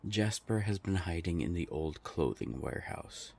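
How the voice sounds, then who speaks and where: Man playing a deep, gravelly, haughty ancient vampire. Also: animated, normal speed, warm tone, full character voice. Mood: sly, matter-of-fact. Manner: condescending, taunting, theatrical. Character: haughty centuries-old vampire, mocking and menacing. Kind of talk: audio drama acting.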